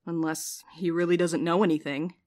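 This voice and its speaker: A woman's voice: on the low side, little pitch movement, moderate pace, darkish tone, natural voice. A woman playing a jaded, sleep-deprived young courier with a dry, sarcastic way of talking in a fiction podcast. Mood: confessional, bitter. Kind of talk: audio fiction podcast acting.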